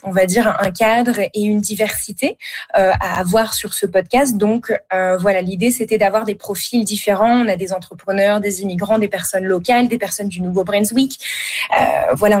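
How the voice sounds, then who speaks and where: A woman's voice: mid-range voice, a little mellow. A woman from France with a French accent, answering a radio interview with many hesitations and fillers. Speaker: podcast host and career coach guest.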